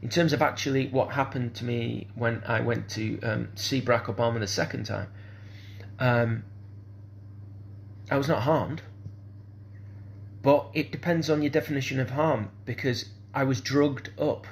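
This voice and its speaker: Guy rambling on camera, keeps saying kind of sort of, gravelly voice, bit of hum behind. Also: medium pitch, fairly even intonation, a little slow. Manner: hesitant, repeats "kind of sort of", restarts often.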